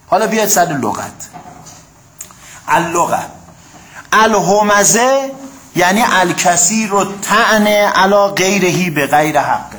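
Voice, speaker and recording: A man's voice: high voice, fairly bright tone. Man, classroom lecture, reads Arabic then explains it, keeps checking with listeners, roomy echo. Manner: keeps checking with listeners and prompting them to answer; reads Arabic passages, then explains them in plain speech. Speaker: teacher of Quran commentary.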